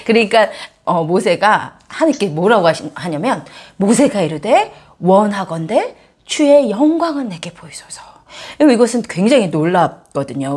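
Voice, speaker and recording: Animated, joking woman pastor preaching. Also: mid-range voice, breathy edge. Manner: animated, joking, talks directly to the congregation. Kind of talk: sermon. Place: church service.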